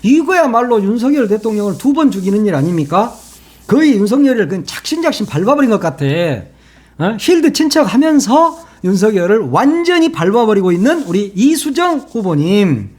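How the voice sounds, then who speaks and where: A man's voice: high voice, very animated, fairly quick, a little mellow. A man hosting his own political commentary channel, talking casually in a mocking, sarcastic way and laughing at his own jokes.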